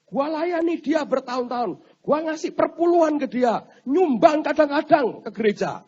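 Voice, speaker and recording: A preacher voicing a stubborn, angry Christian man who shouts and complains indignantly. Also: extremely high pitch, expressive, moderate pace, voice pushed up. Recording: dull lo-fi sermon recording.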